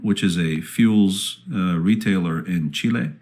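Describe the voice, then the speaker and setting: A man speaking as a company executive, reading a scripted earnings presentation in a formal, measured manner. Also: low-pitched, darkish tone.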